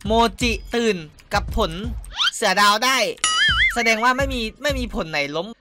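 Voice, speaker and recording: Excitable swearing young gaming streamer. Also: male voice, sits high, moderate pace. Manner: excitable, swears freely, talks straight to viewers. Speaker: gaming YouTuber. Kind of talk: casual gameplay commentary. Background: background game music.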